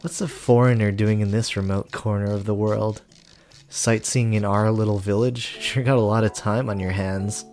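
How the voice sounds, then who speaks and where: A woman's voice: a bass voice, fairly even intonation, normal speed, a little mellow, soft background music. A woman voicing a jaded, foul-mouthed village boy in a story game, blunt, curt and mocking. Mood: suspicious, mocking. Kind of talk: dramatic character voice reading of a story game.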